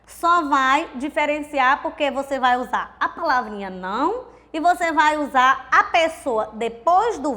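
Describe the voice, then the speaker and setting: A woman with a Brazilian accent teaches a grammar lesson in a high, clear voice. She explains step by step, drawing words out and counting syllables aloud. She keeps asking the class rhetorical questions. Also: a bit bright. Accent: Brazilian Portuguese. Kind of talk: recorded grammar video lesson.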